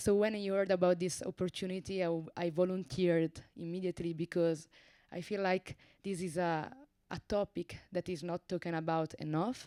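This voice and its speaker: A woman with an Italian accent speaks at a moderate pace in a fairly low, dark, mellow voice with fairly even intonation. The recording is very clean, with a silent background and a dry, close sound with no echo. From Switzerland, Ticino. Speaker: master's student, researcher. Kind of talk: panel discussion. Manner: halting.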